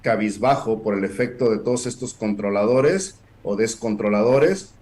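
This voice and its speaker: A man, a guest in a casual online debate, explaining in a measured way with pauses and fillers. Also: on the low side, a little mellow, slight background noise.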